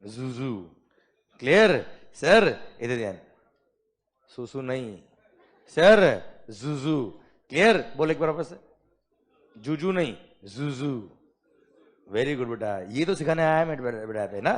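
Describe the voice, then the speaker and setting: Middle-aged male lecturer, upbeat, keeps checking the class follows, slightly high-pitched. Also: a little fast, hardly any pauses. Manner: lively, constantly checking with students. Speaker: tax lecturer. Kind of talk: classroom lecture in Hindi-English mix.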